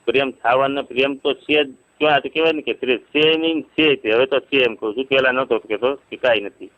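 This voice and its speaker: A man's voice: mid-range voice, a little fast. A man with a Kathiawadi Gujarati accent talking informally as a caller, insistent and often checking that the listener agrees. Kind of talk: informal phone conversation. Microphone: phone line. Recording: muffled lo-fi phone call.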